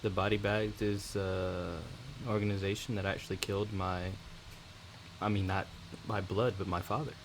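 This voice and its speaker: A man playing a tabletop game, speaking conversationally in character with a hesitant, halting delivery. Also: lowish voice, little pitch movement, a little hiss or hum. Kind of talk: conversational in-character role-play.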